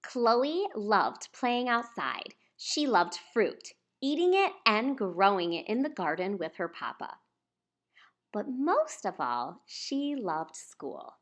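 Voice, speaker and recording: A woman's voice: on the high side, big pitch swings, takes it slowly. A woman reading a picture book aloud as its author, speaking expressively to young listeners. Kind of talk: storybook read-aloud to children.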